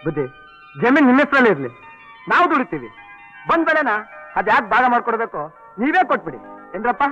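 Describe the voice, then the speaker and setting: An actor playing a scheming male sidekick who talks in a quick, needling way. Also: very high voice, big pitch swings, over music. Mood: pleading. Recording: dull old film soundtrack.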